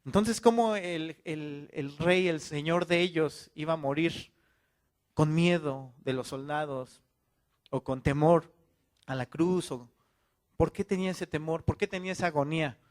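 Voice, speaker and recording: A man's voice: fairly high pitch, a little slow, darkish tone. A man preaching a fiery sermon, firing off rhetorical questions and calling his listeners to repent. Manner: acts out quoted voices of churchgoers.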